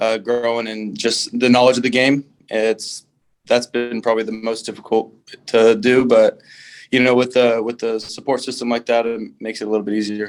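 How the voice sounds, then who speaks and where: With music in the background, a man talks at a medium pitch and moderate pace in a monotone, flat intonation. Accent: Oklahoma. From Oklahoma, US. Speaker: rugby player. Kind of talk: interview.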